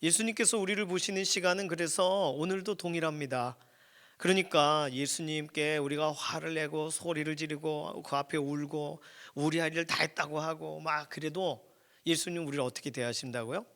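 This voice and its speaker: Bright-voiced male pastor preaching. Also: on the high side, steady tone, moderate pace. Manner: conversational, asks the congregation questions; acts out quoted voices. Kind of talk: sermon. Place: church prayer room.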